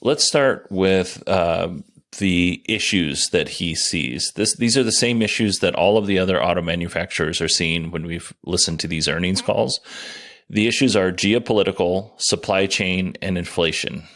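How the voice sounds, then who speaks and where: Very deep-voiced man. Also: moderate pace, a bit bright. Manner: informal, thinking aloud. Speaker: podcast host. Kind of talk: casual solo commentary.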